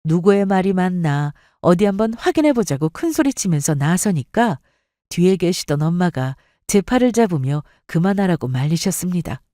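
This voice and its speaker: Expressive woman reading a story. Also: lowish voice, normal speed, no echo, clean studio sound. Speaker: story reader. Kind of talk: dramatic first-person story narration.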